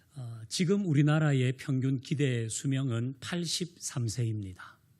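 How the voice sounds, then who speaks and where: A somewhat breathy man at a medium pitch, at a very slow pace with ordinary pitch variation, over a quiet background. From South Korea. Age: 50s. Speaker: pastor. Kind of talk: sermon.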